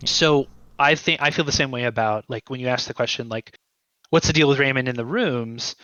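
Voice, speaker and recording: A man being interviewed as a guest writer, explaining his ideas conversationally in a thoughtful, halting way and often checking in with "right?". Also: medium pitch, bright, forceful tone, no room sound, highs cut off.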